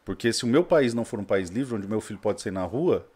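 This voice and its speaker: A man with a Brazilian Portuguese accent, talking in a casual chat as a guest, blunt and swearing freely while telling animated stories. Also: fairly low pitch, brisk, breathy edge.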